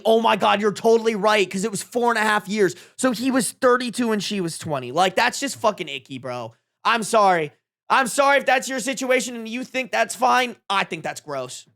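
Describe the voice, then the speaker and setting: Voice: mid-range voice, lively intonation, normal speed, a bit bright. A streamer in their twenties chatting casually to a live audience, with slangy, emphatic talk and frequent swearing. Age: 20s. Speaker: livestream host. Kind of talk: casual reaction stream chat.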